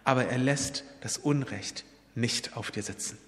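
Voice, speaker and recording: A man's voice: mid-range voice, measured pace, fairly bright tone, long reverb tail. A man preaching a sermon, retelling a Bible story in an earnest, personal way and appealing directly to his listeners.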